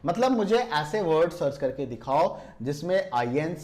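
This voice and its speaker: A man, his voice sitting a little high, walks through a screen-recorded software lesson. He slows down deliberately when defining terms. He keeps asking viewers whether they can see what he means. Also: very animated. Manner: explains step by step, asks viewers rhetorical checks. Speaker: computer tutorial teacher.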